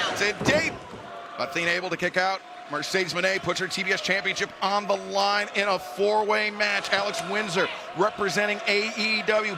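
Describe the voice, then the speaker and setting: A man calls a wrestling match live, his voice pitched very high and pushed to excited shouts. A roaring arena crowd and heavy noise fill everything behind him. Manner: excited, rapid calls that often rise to shouts. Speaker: play-by-play commentator. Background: roaring crowd and loud arena noise.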